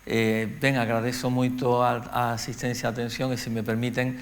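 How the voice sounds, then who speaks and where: A middle-aged Andalusian man speaks as a guest lecturer. His delivery is measured and broken by frequent pauses, and his pitch stays level and even throughout. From Andalusia, Spain. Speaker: guest speaker on music education. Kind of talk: public lecture.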